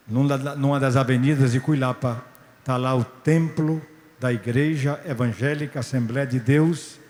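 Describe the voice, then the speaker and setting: A man's voice: medium pitch, a little mellow. A male pastor, telling a missionary testimony in a sermon with restarts and rising exclamations. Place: large church hall. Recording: long church-hall reverb.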